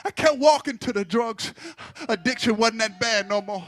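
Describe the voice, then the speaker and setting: A man's voice: extremely high pitch, normal speed, fairly bright tone. A man preaching a sermon at a pulpit microphone, building through repeated phrases and addressing the congregation directly. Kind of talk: impassioned sermon.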